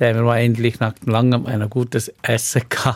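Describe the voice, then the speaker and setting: A man with a Tamil accent at a medium pitch and a moderate pace. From Sri Lanka. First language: Tamil (speaking German). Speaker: retiring care worker. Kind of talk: radio interview. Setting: studio. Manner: halting.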